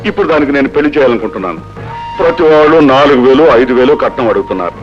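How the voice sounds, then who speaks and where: An actor playing a jovial, talkative middle-aged police constable who teases and laughs easily, in an old film scene. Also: male voice, mid-range voice, lively intonation, racing, natural voice. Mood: kindly. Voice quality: chatty, teasing, laughing easily. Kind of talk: 1970s Telugu film acting. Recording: dull old film soundtrack with music.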